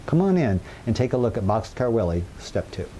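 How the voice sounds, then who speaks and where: A man's voice: medium pitch, very animated, brisk, warm tone, a little hiss or hum, rough recording. A middle-aged man, recovered with a little left in his throat, gives an upbeat, reassuring, chatty gardening lesson from an outdoor patio garden. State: recovered, slight leftover throat. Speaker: gardening channel host. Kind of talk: casual gardening tutorial. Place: outdoor patio garden full of potted plants.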